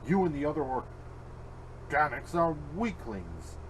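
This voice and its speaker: A man's voice: on the high side, big pitch swings, a little slow, a little hiss or hum, rough recording. A man voicing a pompous, menacing robot emperor who scorns organics, in an amateur cartoon parody. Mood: scornful.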